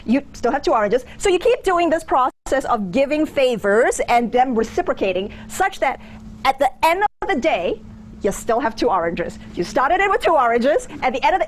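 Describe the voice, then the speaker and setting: Fast-talking woman lecturer, mixed Singaporean-American accent. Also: high voice. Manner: animated, informal, conversational. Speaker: business school lecturer. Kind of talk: interactive lecture with anecdotes. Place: lecture theatre with audience. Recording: background noise of a lecture room.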